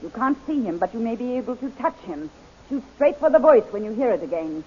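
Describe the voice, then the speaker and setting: A dull, noisy 1930s radio recording of a woman acting a scornful witch queen. Her high voice swings widely as she issues theatrical commands with a hot temper. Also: lively intonation, a little fast, dark tone, close to an everyday voice. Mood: cold, commanding.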